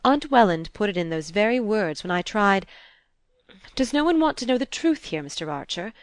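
A woman's voice: medium pitch, sing-song, moderate pace, dry recording, close to an everyday voice. A woman voicing a sensitive young countess with a wistful, emotional manner.

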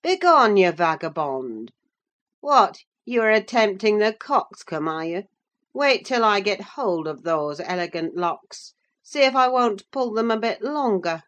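A woman reading an audiobook, voicing an angry, bullying young man who shouts scornful threats. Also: on the low side, expressive, normal speed, voice pushed up, close to an everyday voice. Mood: furious.

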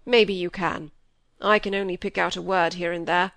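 A woman reading a grief-stricken old country squire in a rough rural dialect, her voice low and broken. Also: fairly even intonation, moderate pace, fairly bright tone, dry recording. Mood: grieving. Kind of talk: audiobook character voice.

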